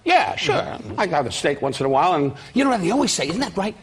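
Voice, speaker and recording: A man's voice: high voice, sing-song, fast talker. An older man doing brash insult comedy on stage, trading abrasive jabs and laughing at his own lines. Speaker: roast comedian. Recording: live stage with loud audience laughter.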